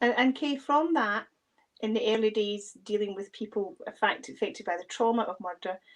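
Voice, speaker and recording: A woman with a Scottish accent and a fairly high pitch talks at a moderate pace with ordinary pitch variation. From Scotland. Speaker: charity worker. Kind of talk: interview.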